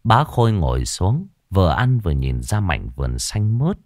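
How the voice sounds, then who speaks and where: A man reading a ghost story aloud in a steady storytelling manner. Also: low-pitched, moderate pace, no echo, studio quality. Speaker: narrator.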